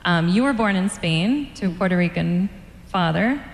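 A woman interviewer on stage asking measured, prepared questions, with occasional fillers. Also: on the low side, animated. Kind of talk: onstage author interview. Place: event stage before an audience. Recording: roomy hall, long reverb.

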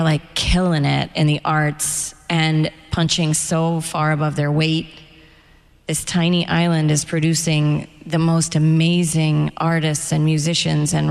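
A middle-aged American woman, an author and guest, talking in a reflective, candid and measured way at a live event interview in a hall. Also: low-pitched, gravelly. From United States.

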